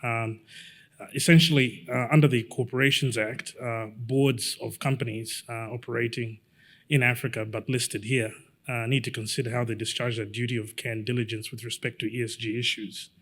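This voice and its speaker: Gravelly, halting man from Zambia. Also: medium pitch, little pitch movement, fairly bright tone. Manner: measured, halting, with frequent fillers. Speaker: lawyer giving a conference presentation. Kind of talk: conference presentation.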